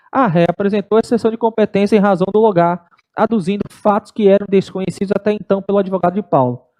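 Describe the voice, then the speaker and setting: A middle-aged Brazilian woman teaching law to exam students in a brisk, animated lecture. She slips into quick put-on voices to act out courtroom exchanges. Her voice sits at a middle pitch with a mellow, dark tone. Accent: Brazilian Portuguese. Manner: animated, acts out courtroom dialogue in shifting voices. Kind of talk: lively exam-prep lecture.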